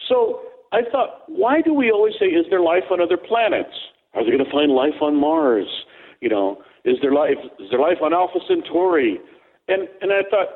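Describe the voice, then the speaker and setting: Man, rambling joker, lively swooping voice, on the phone, tinny. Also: high-pitched. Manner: rambling, joking storyteller. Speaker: co-host. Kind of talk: casual radio talk.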